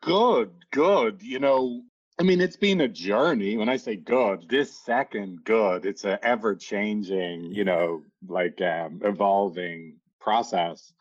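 Low-voiced Dublin Irishman on a dull line. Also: slow pace. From Dublin, Ireland. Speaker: relationship expert guest. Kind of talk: conversational podcast interview.

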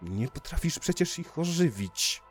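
A man's voice: a little high, very animated, a little slow, husky, soft background music, pitched above the performer's own voice, exaggerated voice. A man voicing a frightened male spaceship crewman who pleads and panics, in an audiobook reading. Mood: pleading. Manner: pleading, rising to panicked shouts.

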